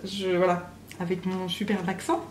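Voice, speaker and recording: A woman with a fairly low, flat voice speaks at normal speed, giving the viewer a channeled tarot reading. Her casual guidance is hesitant and full of fillers and restarts, recorded in an echoey room with a faint hum.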